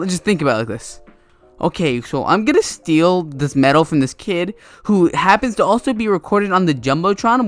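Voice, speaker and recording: A young man reading online stories aloud in a casual way, with laughing, stumbling asides. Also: fairly high pitch. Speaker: reddit story narrator. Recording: soft music bed under voice. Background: quiet background music.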